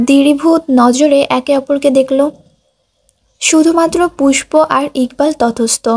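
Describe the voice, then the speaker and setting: A woman's voice: high voice, mellow, breathy edge. A woman reading a romantic drama as scripted audiobook narration, voicing every character's lines in her own voice.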